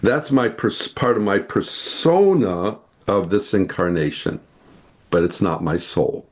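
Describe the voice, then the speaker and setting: A man with a fairly low voice talks about spiritual ideas in an interview. He explains earnestly and patiently, and he stretches out his key phrases. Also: very animated. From United States. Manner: earnest, explanatory, slows to stress points. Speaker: guest.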